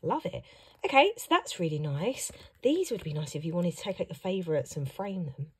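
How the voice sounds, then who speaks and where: Hoarse woman, lively voice. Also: lowish voice, fairly quick. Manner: chatty and upbeat, reacting to each item. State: hoarse, losing her voice. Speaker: primary school teacher and vlogger. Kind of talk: casual unboxing vlog. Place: at home.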